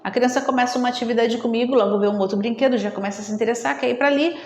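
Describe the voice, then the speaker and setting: A woman's voice: a little high, racing. A woman, a speech therapist explaining in a conversational video lesson, often adding tag questions. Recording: roomy echo with long reverb.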